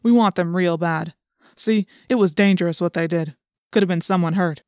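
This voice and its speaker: A woman's voice: lowish voice, normal speed, darkish tone, no room sound, clean studio sound, lightly acted. Folksy, menacing policeman, voiced by a woman. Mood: stern, probing. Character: adult policeman, official, folksy, quietly menacing. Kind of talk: audiobook character voice.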